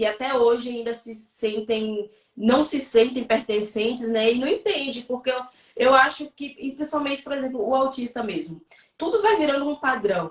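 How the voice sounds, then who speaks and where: This woman's voice sits high, with ordinary pitch variation at a moderate pace. Her loudness swings widely. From Northeast Brazil, Recife, Pernambuco. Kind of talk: live interview conversation. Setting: online live stream.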